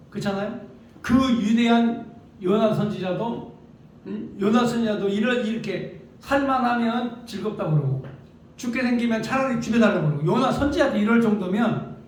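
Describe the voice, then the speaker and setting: A man's voice: high-pitched, darkish tone, a little hiss or hum. A man preaching a sermon as pastor, emphatic and full of rhetorical questions. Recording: echoey room picked up from a distance.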